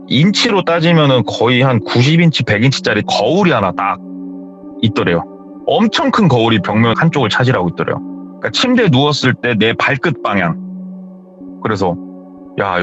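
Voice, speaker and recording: A man's voice: mid-range voice, lo-fi sound. A man hosting a horror story radio show, casually retelling a viewer's true story and acting out the characters' lines. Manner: animated, acts out the characters' lines.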